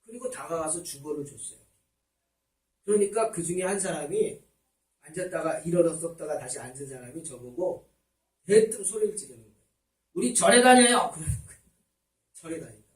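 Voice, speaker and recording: 교회에서 설교하는 남자 목사로, 겪은 일을 이야기처럼 풀며 등장인물의 말을 흉내 낸다. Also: male voice, on the high side, animated, a little fast, mellow, reverberant, far from the mic, rough recording. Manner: storytelling, acts out quoted people. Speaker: pastor. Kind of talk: sermon. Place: church sanctuary.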